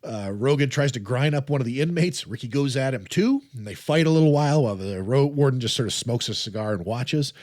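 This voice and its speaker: Male podcast host, mid-pitched, casual plot recapper, dry close mic. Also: a little fast, hardly any pauses, no room sound. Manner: steady recapping with frequent "uh" and laughs.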